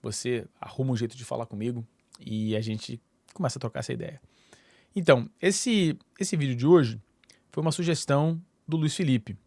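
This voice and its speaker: A man's voice: mid-range voice, normal speed, a little mellow, no echo, studio quality. A middle-aged Brazilian man hosting his own channel, talking casually to the camera and often restarting his sentences with fillers. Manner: rambling, many fillers and restarts. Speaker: YouTube channel host. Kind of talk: casual solo talk to camera.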